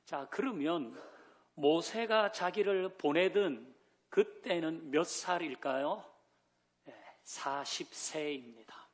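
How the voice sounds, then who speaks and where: A man's voice: on the high side, takes it slowly. A man preaching a Sunday sermon as pastor, who asks the congregation questions, leads them in reading scripture and drops in light joking asides. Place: church sanctuary.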